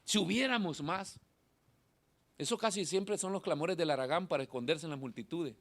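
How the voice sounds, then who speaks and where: A middle-aged male pastor, preaching a sermon in a church hall. He has a thin, nasal voice and swings from shouting to quiet asides. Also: fairly high pitch, moderate pace.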